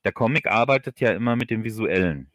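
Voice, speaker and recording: Halting, low-voiced man explaining. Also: animated, a bit bright, no room sound, studio quality. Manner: halting, explanatory, repeats words and phrases. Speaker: guest audio drama writer. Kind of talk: casual interview chat on a livestream.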